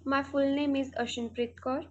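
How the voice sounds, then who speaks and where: Young woman, Punjabi native, exam candidate, hesitant, many fillers, slightly high, dull lo-fi call audio. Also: level tone, moderate pace, a little mellow. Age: student. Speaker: test candidate. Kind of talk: mock speaking exam answers. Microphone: video call.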